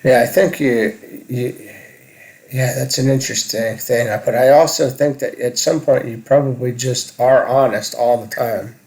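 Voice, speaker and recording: A man in casual, reflective conversation, halting and tentative as he searches for words. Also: medium pitch, fairly even intonation, a little mellow, rough recording.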